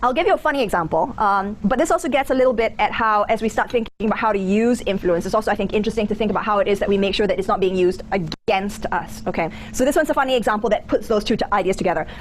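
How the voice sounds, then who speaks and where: Fast-talking woman lecturer, mixed Singaporean-American accent. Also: mid-range voice. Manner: animated, informal, conversational. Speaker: business school lecturer. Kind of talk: interactive lecture with anecdotes. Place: lecture theatre with audience. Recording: background noise of a lecture room.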